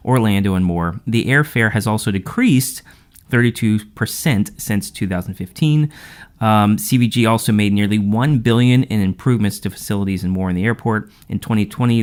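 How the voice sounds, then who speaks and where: Easygoing Midwestern man reading news. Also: on the low side. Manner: easygoing, reads news items then riffs. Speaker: podcast co-host. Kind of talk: casual chat and news reading.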